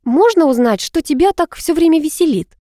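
A woman's voice: sits high, lively intonation, fairly quick, no echo, studio quality, voice pushed up. A woman voicing an irritable, stubborn young female student who talks back sharply. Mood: exasperated. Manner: snappish, sharp-tongued.

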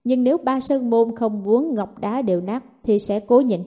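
A woman voicing an aged male elder in blue robes who speaks in a slow, measured murmur. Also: a little high, muffled recording, close to an everyday voice. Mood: grave.

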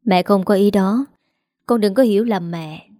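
A woman's voice: medium pitch, normal speed, dark tone, dry recording, studio quality, lightly acted. A woman voicing a harsh, scolding old mother-in-law with a cutting, contemptuous manner.

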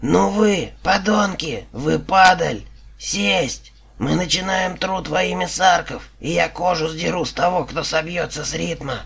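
A man's voice: medium pitch, steady tone, slow pace, creaky, hardly any pauses, fairly bright tone, pitched above the performer's own voice. A man voicing a brutal male galley slave-driver who bellows harsh orders. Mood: bellowing.

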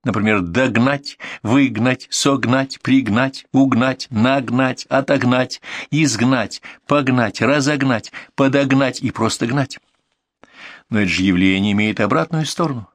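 A man reading nonfiction essays aloud as an audiobook narrator, in a measured, deliberate manner that slows down for lists and examples. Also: medium pitch, no echo, studio quality.

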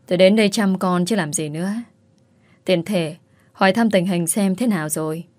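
A woman's voice: on the low side, normal speed, a little mellow, dry recording, lightly acted. A woman voicing a scheming, bossy middle-aged mother in a spoken story. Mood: probing. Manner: fussing, wailing, bossy. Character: scheming wealthy middle-aged mother pushing her daughter.

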